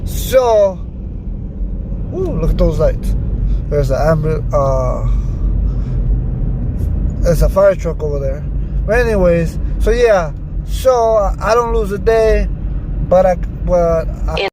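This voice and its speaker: A man's voice: high voice, expressive, slow pace, pauses often. A man talking casually as a solo vlog host, rambling and repeating words as he doubles back, recorded in a car. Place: inside a car while driving on city streets at night. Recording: clear car and street noise. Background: car and traffic noise.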